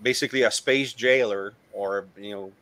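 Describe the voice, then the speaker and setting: A man's voice: fairly low pitch, steady tone, normal speed, a crowd in the background. A man in his thirties hosting a fan interview over a video call, asking questions with many ums. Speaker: interview host. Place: home room with collectibles, video call.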